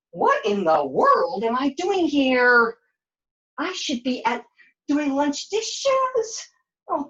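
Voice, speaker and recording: A woman's voice: high voice, fairly bright tone, lo-fi sound, pitched above the performer's own voice, full character voice. A woman voicing a flustered, forgetful young dishwasher in a puppet show, hesitant and dithering. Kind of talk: puppet show character acting.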